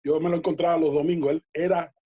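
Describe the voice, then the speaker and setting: Guy telling stories, kinda husky, laughs a lot, muffled audio. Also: fairly high pitch, quick pace. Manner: animated anecdotes, laughs often, acts out quoted dialogue. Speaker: interview guest. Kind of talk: casual storytelling interview. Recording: dull lo-fi audio.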